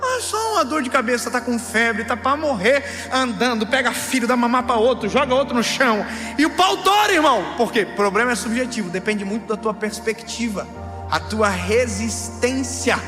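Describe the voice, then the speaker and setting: A man in his thirties preaching a sermon with emphatic, playful delivery, rising to near shouts. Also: very high-pitched, lively intonation, normal speed. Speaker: pastor. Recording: live hall with long reverb and music.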